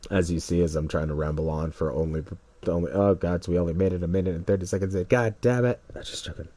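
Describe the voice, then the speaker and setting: A young man with a low, mellow voice, stuffed up from congestion, rambles hesitantly to his stream. His talk is full of restarts and self-deprecating trailing off. The sound is close and dry. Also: fairly even intonation, fast, no echo. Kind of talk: rambling solo stream chat.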